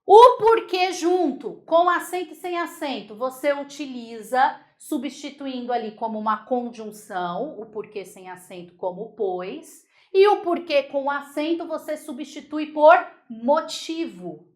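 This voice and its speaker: A Brazilian woman with a bright, high-pitched voice leads a grammar class for exam candidates. She talks in a lively, chatty way and keeps checking that her students are following along. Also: unhurried. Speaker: Portuguese grammar teacher. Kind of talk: exam-prep grammar lesson.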